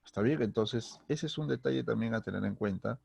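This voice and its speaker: A man's voice: mid-range voice, fairly quick, vocal fry, darkish tone, breathy edge, no room sound. A man from Peru with a Peruvian Spanish accent, teaching a recorded secondary school grammar lesson, restating terms and often checking that students follow. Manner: explanatory, repeats and restates terms, frequent "¿sí?" and "¿listo?" checks.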